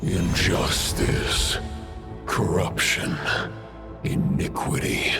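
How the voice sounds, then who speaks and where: A menacing ancient villain in a video game. The voice is very deep and creaky, drawing out each word with slow, commanding contempt. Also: male voice, little pitch movement, over music, heavily acted. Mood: menacing scorn. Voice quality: gravelly. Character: menacing ancient male dark foe, contemptuous, imperious.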